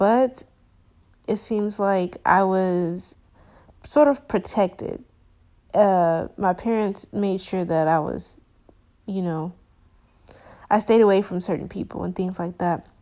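In a very clean recording with a silent background, a woman with an American accent speaks at a very slow pace with long, frequent pauses, her dark, mellow tone sitting at a medium pitch with ordinary pitch variation. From Texas. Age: 20s. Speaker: podcaster. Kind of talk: personal monologue. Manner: halting.

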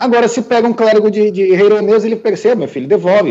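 A man speaks at a high pitch. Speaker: RPG player, debate guest. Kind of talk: casual debate.

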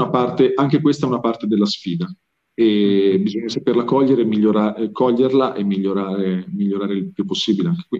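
At a medium pitch and a fairly quick pace, a man speaks with very wide pitch swings. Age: young. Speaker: professional wrestler. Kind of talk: interview.

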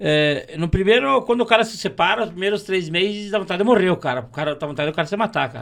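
With lively intonation and hardly any pauses, a high-pitched man talks at a very fast pace. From western Santa Catarina, Brazil (Concórdia). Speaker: comedian and former truck driver. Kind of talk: casual interview chat.

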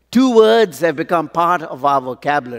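Lively intonation at a moderate pace. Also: man. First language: not English. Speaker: Bible teacher. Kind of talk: sermon. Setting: church.

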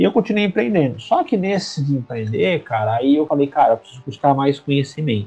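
Somewhat breathy, a man talks at a fairly quick pace with medium pitch. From Sorocaba, São Paulo state, Brazil. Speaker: HR professional and career coach. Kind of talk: casual interview.

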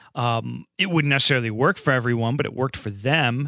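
A man speaks with fairly even intonation in a dry, close sound with no echo against a quiet background. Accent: Western New York. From Western New York (Rochester area). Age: 30s. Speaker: podcast host. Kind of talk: casual chat.

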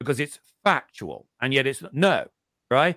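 A man with a southern English accent speaks at a moderate pace with lively intonation. The sound is dry and close, with no echo. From southern England. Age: 50s. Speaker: osteopath and health author. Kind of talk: casual interview. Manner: animated.

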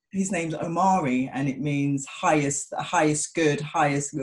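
A woman in a British accent, very deep and low in pitch, at a fairly slow pace with fairly even intonation. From England, of Jamaican parentage. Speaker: podcast guest, aspiring podcaster. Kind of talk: casual interview chat. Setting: online call, audio only.

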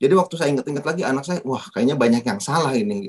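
A man's fairly high voice at a very fast pace, with lively intonation and a dry, close sound with no echo. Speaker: mathematics educator, participant. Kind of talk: audience comment. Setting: video call.

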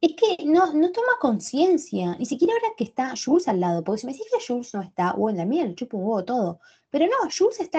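With a Rioplatense accent, a woman with a dark, mellow tone talks at a fairly quick pace, her pitch swinging very widely over a quiet background. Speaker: podcast co-host. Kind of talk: casual chat. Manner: animated.

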